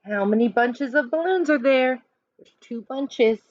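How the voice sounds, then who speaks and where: A woman reading a children's picture book aloud like a teacher, expressive and questioning as she coaches young listeners through counting. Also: high voice, unhurried, no echo, highs cut off.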